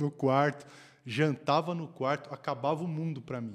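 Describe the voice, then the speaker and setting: In an unremarkable speaking voice, a man talks at a moderate pace with fairly high pitch and fairly even intonation. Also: quiet background. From Brazil. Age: 40s. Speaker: former professional tennis player; guest. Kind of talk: casual chat. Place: studio. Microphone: studio mic.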